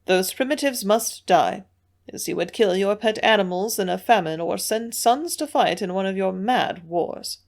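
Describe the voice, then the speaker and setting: A woman reading the part of a frail, ancient male Martian elder, speaking in a soft, high, quavering voice that stays calm and persuasive. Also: normal speed, creaky. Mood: calmly persuasive. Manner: soft-spoken, coolly persuasive. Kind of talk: audiobook character reading.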